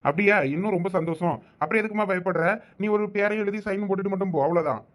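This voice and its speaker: A voice actor playing a brisk male police officer in a cartoon, reassuring and businesslike, with a Thoothukudi accent. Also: mid-range voice, close to an everyday voice. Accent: Thoothukudi Tamil. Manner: reassuring, rapid-fire.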